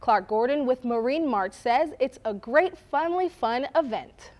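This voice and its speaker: A woman's voice: sits high, lively intonation, a little slow, muffled recording. A woman reading scripted local news as an anchor at a studio desk.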